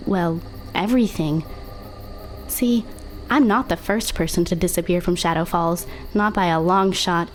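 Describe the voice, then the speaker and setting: A woman playing a haunted, confiding teenage girl who narrates a horror audio drama in a deliberate, dramatic way. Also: on the low side, natural voice, rough recording.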